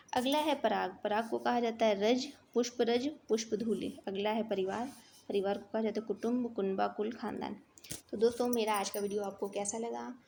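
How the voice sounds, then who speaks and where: A woman teaching an exam vocabulary lesson, reciting lists of words and repeating each list more softly. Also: on the high side, a little hiss or hum.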